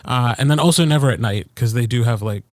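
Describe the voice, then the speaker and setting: A man's voice: medium pitch, fast talker, dry recording, clean studio sound. A man from Wisconsin with an American accent, co-hosting a podcast and telling personal stories informally with wry understatement. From Wisconsin, United States. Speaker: podcast co-host. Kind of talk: casual chat, personal storytelling.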